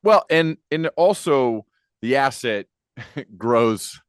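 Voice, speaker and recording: A man's voice: mid-range voice, expressive, takes it slowly, no echo, studio quality. A man hosting an interview podcast, speaking casually and informally, rephrasing as he goes.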